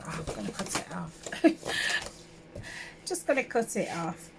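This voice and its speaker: In a casual crafting tutorial, a craft channel host works at her table and chats in a gravelly, slightly hoarse voice, her throat sore from a summer cold. Her lowish voice swoops wildly in pitch as she goes slowly, rambling warmly with fillers and self-corrections. The home recording carries a faint hiss.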